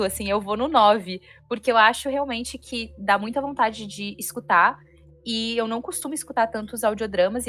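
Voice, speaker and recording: A woman's voice: fairly high pitch, a bit bright. A Brazilian woman giving her opinion in casual panel chat, informal and emphatic, repeating words for stress. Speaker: panelist on a reaction show. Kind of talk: casual spoken review chat. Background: music.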